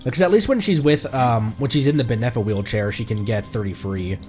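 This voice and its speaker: A man's voice: medium pitch, a little fast, a little mellow. A man commentating live on a game he plays and reading its text aloud, in a playful, exclaiming manner. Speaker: game streamer. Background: music.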